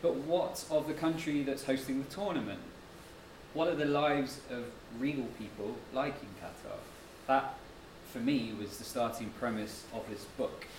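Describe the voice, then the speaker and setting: A man's voice: medium pitch, fairly even intonation, moderate pace. Man giving a lecture in an echoey room. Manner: modest, slightly self-deprecating, conversational. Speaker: guest speaker, author and anthropologist. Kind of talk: public lecture. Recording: echoey room from far off, noisy.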